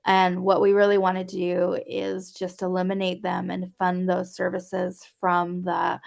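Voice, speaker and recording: Gravelly low-voiced woman, hesitant. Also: completely flat delivery, measured pace. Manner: hesitant, many fillers. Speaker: guest advocate. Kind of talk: interview answers.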